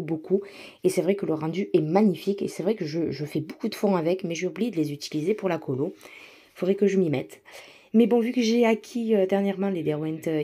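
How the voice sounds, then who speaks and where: Woman host, low-ish mellow voice, casual craft voice-over, rambling with fillers. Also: husky. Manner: chatty, many fillers and restarts; self-deprecating, enthusiastic about materials. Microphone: voice-over mic.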